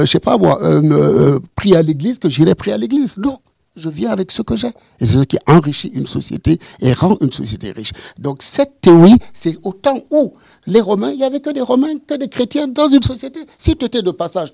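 Gravelly-voiced man, a fiery debater with a dry, close sound. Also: fairly high pitch, a little mellow, no echo. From French-speaking, living in Toronto. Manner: impassioned, emphatic, repeats himself. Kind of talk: formal debate speech.

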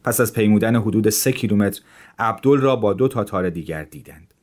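Low-voiced male storyteller. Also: lively intonation, a little mellow. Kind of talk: audiobook narration.

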